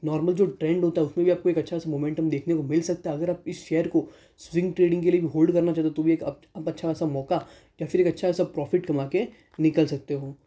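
Dark-voiced man reading stock figures. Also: fairly high pitch, level tone, quick pace. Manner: mixes English terms into Hindi, reads figures aloud with self-corrections. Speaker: stock market channel host. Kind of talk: voice-over stock analysis.

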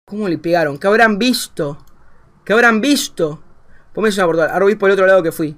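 Young argentine guy streaming, high voice, mutters then gets all hyped up. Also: a little fast. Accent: Argentine Spanish. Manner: excitable, thinks aloud, swings from muttering to shouting. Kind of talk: gameplay commentary.

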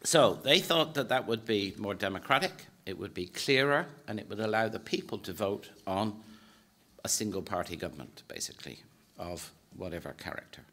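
A low-voiced Irish man in his sixties lectures from a podium in a conference hall. He speaks in a measured, hesitant way, full of "uh" and restarts as he works through his points. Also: animated, fairly bright tone. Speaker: political science professor giving a presentation. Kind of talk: formal lecture talk. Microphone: podium microphone.

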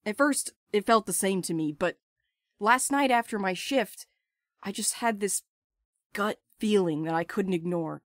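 A woman's voice: mid-range voice, measured pace, dry recording, clean studio sound, close to an everyday voice. An actress playing a brash, impulsive young woman with crude, sarcastic banter in an audio drama. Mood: brash, teasing. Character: brash, playful, impulsive young postal worker friend.

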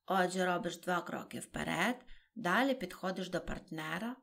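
A woman voicing a boisterous, excitable male griffin from a storybook, who keeps interrupting and shouting. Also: on the low side, normal speed, creaky, exaggerated voice.

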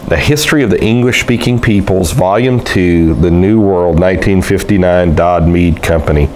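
Pastor, middle-aged, deep voice, casual camera talk from his desk, unhurried with many uh pauses. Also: a little mellow, slight background noise. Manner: conversational, unhurried, pauses with frequent uh fillers. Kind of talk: casual teaching video reading quotes aloud. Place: small indoor room by a window with blinds, seated at a desk. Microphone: fixed camera in front of the desk.

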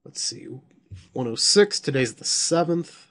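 Man, slightly hoarse from losing his voice, unhurried offhand delivery, thinks aloud and swears at surprises while reviewing software. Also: a little high, lively intonation. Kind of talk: casual screen-recorded software review.

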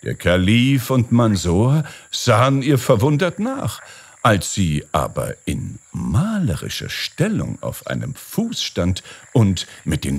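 A man reading a fairy tale aloud as an audiobook narrator, with expressive storytelling. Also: lowish voice, slightly rough.

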